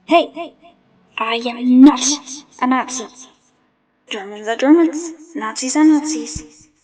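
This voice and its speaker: A woman's voice: sits high, slow pace, darkish tone. A woman voicing a tough, sassy young German nurse in an audio drama, with a blunt, teasing manner. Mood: firm, indignant.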